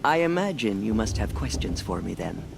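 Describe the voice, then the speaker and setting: An actress playing an elderly tribal matriarch in a video game, speaking formally, deliberately and gently. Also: female voice, a bass voice, sing-song, gravelly, noisy background, exaggerated voice. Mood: measured, careful. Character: elderly tribal matriarch, kindly, solemn and measured. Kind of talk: solemn video game acting.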